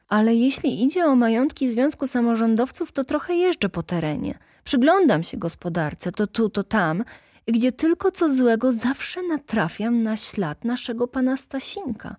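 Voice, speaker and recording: A woman reading an audiobook, voicing a brisk middle-aged woman activist who tells her stories in a lively, indignant way. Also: on the high side, no echo, clean studio sound.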